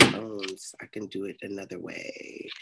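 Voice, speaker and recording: A woman speaks at a very slow pace against loud background noise. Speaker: ministry leader hosting an online session. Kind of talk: casual opening chat before a teaching. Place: home room. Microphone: video call.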